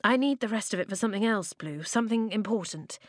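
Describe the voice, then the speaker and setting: A woman's voice: mid-range voice, expressive, quick pace, no echo, clean studio sound, close to an everyday voice. A woman voicing an earnest, practical young boy inventor.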